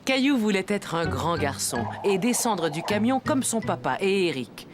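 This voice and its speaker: A woman playing a gentle storybook narrator, telling a scripted children's cartoon story with music behind her. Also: medium pitch, big pitch swings, moderate pace, close to an everyday voice. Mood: warm storytelling.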